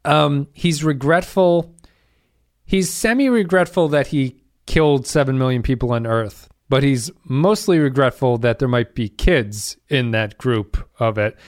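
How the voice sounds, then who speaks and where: Male co-host, casual chat, halting delivery full of restarts, laughs a lot, dry close sound. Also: medium pitch, no room sound. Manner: hesitant, many restarts, laughs often. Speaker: podcast co-host.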